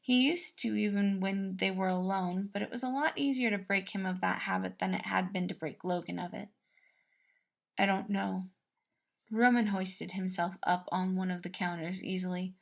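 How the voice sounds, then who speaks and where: A woman narrates a fan-fiction story in a mid-pitched voice with noticeable fry. Her delivery is expressive and measured, clearly read from a script. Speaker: fan-fiction podfic reader.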